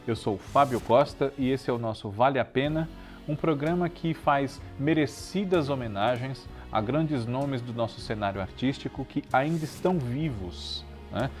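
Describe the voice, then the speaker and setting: A man with a Brazilian Portuguese accent hosts a tribute show, speaking at a moderate pace in a mid-range voice with faint music behind him. He talks conversationally to viewers, keeping things chatty and often tacking on tag questions to seek their agreement.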